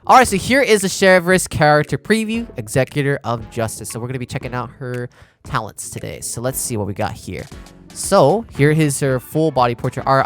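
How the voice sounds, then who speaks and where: A man giving casual reaction commentary on a game trailer, excitable, with frequent exclamations and laughs. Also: mid-range voice.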